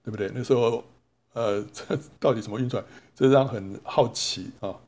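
A man's voice: mid-range voice, darkish tone. A male Bible teacher telling a story as a sermon. He asks rhetorical questions, answers them himself, and draws out the particles at the ends of his sentences. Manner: drawn-out sentence-final particles.

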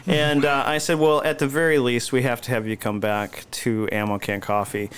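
A man with an American accent hosting a podcast, chatting casually and teasingly in a halting, genial way. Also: medium pitch, fairly even intonation, a crowd in the background. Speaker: podcast host. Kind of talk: casual interview chat.

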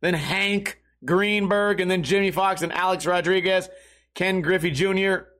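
A man hosting a podcast stream in casual chat, hoarse from losing his voice, talking in a loose, rambling and profane way. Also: high-pitched, steady tone, unhurried, fairly bright tone.

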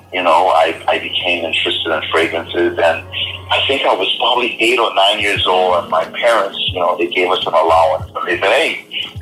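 A man from Trinidad and Tobago, a podcast guest, telling stories in a relaxed, casual way with many restarts. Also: sits low, low-quality recording. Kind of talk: casual interview storytelling.

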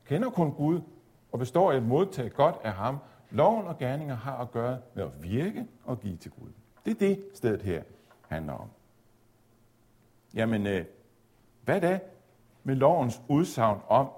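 Husky man lecturing, lively pitch. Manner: measured, explanatory, with occasional fillers and restarts. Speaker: lecturer on theology. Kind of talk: spoken lecture on Luther's reading of Galatians.

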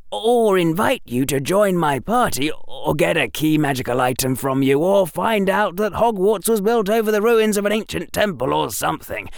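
A man voicing a clever, self-assured young boy wizard in a storybook reading, brisk and teasing. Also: a little high, vocal fry, fairly bright tone, no room sound, studio quality, pitched above the performer's own voice, full character voice. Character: cocky clever boy wizard, first-year.

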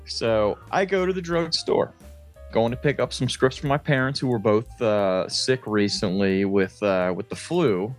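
A man co-hosting a comedy podcast, telling casual, profane anecdotes in a chatty, animated way. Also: on the low side, a little slow, faint music behind. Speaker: podcast co-host. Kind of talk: casual comic storytelling chat.

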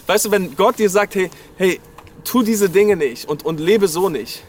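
A pastor from Berlin, Germany, preaches a New Year sermon in a high-pitched, somewhat mellow voice with lively intonation and a measured pace. He addresses listeners directly, urging them on with frequent calls of "hey," over slight background noise.

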